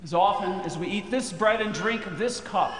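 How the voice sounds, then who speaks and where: A man leading a communion liturgy as pastor, solemnly intoning in a measured, chant-like way in a chapel with cathedral echo. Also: high-pitched. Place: large chapel, indoors. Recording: cathedral-like echo, long chapel reverb, faint noise.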